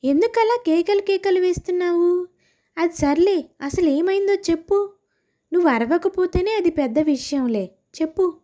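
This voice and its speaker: A woman's voice: extremely high pitch, lively intonation, moderate pace, dark tone, lo-fi sound. A woman voicing a sarcastic neighbor housewife who fires back retorts, in a cartoon story.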